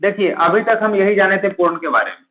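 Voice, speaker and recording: A man with a fairly high voice delivers a classroom-style math lesson, firing questions at his students and answering them himself. The recording is thin and phone-like, with an echoey room around him. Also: expressive, a little fast. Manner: asks a question then answers it himself, repeating key terms. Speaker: math teacher for teaching exams.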